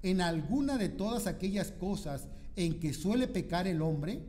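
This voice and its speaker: A man with a high, bright preaching voice delivers a slow, deliberate sermon. He reads scripture with dramatic swells and keeps tossing quick questions to his listeners. The sound rings with a long church-hall reverb. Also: expressive. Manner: rhetorical questions to the congregation, dramatic scripture reading. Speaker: pastor.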